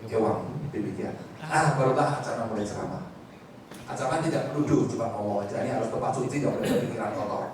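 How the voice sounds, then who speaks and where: A man's voice: fairly low pitch, quick pace, noisy background. Teasing male preacher in an echoey hall. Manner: teasing, lively storytelling with asides to the audience. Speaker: Buddhist preacher. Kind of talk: sermon. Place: large hall with an audience. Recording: echoey hall, mic far off, crowd audible.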